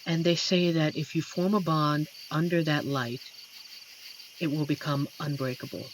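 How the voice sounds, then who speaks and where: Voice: mid-range voice, steady tone, slight background noise, natural voice, low-quality recording. A performer voicing an amiable, lonely werewolf who protects a forest, speaking tenderly and earnestly in a scripted roleplay addressed to the listener. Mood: hushed storytelling. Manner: tender, earnest, playfully corny, hesitant pauses. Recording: clear insect and night ambience behind. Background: crickets and forest night ambience.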